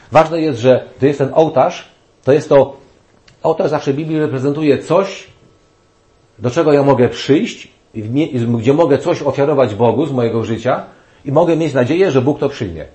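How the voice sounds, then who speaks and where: Man, preacher, Bible study sermon, mid-pitched voice, conversational, frequent restarts. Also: warm tone.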